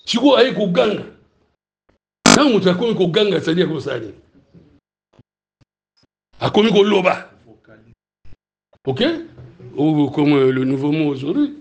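Congolese-accented male preacher, high voice, lively teaching sermon, keeps checking the room understands, roomy echoing hall. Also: measured pace, long pauses. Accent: Congolese French. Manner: animated, asks the room if it is clear, laughs between points. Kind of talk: sermon mixing teaching and questions to the congregation.

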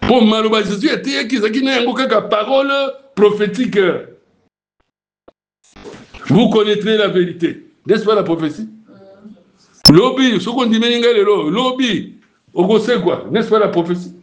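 Un homme à l'congolais qui prêche un sermon et demande souvent à l'assemblée si c'est clair. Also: male voice, high-pitched, a little fast. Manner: preaching in Lingala mixed with French, asking the crowd if it is clear. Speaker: preacher.

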